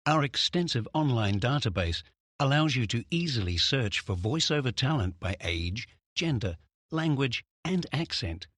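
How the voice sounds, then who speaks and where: A man's voice: mid-range voice, sing-song, normal speed, fairly bright tone, breathy edge, dry recording. A man delivers scripted voice-over narration for commercials and documentaries. His voice has some husk to it, and the recording is dry and close, without room sound. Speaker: voice-over artist.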